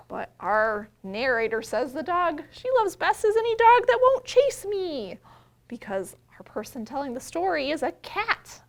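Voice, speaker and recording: A woman hosting storytime as a children's librarian, talking simply to young children with questions, invitations and drawn-out emphasis when reading. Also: sits high. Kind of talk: children's storytime read-aloud with talk and action rhymes.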